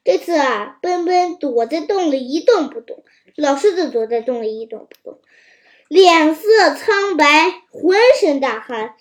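High-voiced woman telling a children's story. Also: a little slow. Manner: lively, expressive reading with slips. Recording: roomy echo.

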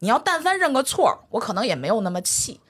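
A woman's voice: fairly high pitch, sing-song, fast talker, fairly bright tone, breathy edge. A middle-aged woman, a podcast guest, telling a work story in casual chat and acting out the dialogue. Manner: vivid storytelling, acts out dialogue.

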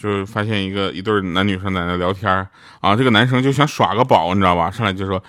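Brief: young male stand-up, quick deadpan delivery, dry close mic. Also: low-pitched, no room sound. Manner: deadpan storytelling, acting out the voices in his anecdotes. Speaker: stand-up comedian. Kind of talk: comic monologue of short jokes.

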